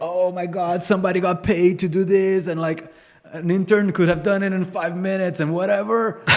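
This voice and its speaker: In a put-on character voice, the speaker sounds whiny, with monotone, flat intonation and a fairly quick pace. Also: man, high pitch for a man. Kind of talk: casual. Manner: mocking, whiny.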